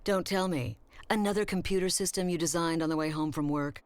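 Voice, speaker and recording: A woman's voice: fairly low pitch, brisk, clean tone, no room sound, natural voice. A woman voicing a wry, sardonic American newspaper reporter in a motion comic, with a dry manner. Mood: dry, weary.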